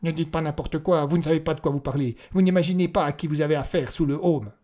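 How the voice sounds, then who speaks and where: A man's voice: fairly high pitch, fairly even intonation, fast, warm tone, voice pushed up, close to an everyday voice. A man voicing a haunted young suspect who speaks in a tense, hesitant, pleading way. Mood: agitated. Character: haunted young man, evasive wolf witness.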